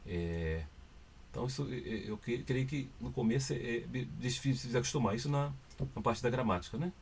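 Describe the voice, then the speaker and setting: A man's voice: medium pitch, fairly quick, creaky, a little mellow, slight background noise. A Brazilian man with a Brazilian Portuguese accent casually explaining a language, hesitant and peppered with fillers and restarts. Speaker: language teacher.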